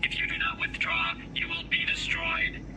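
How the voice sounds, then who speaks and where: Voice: extremely high pitch, monotone, moderate pace, noisy background. A man playing a menacing, unyielding security patrol voice, formal and filtered as if over radio comms. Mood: stern warning. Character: menacing automated security patrol voice warning intruders.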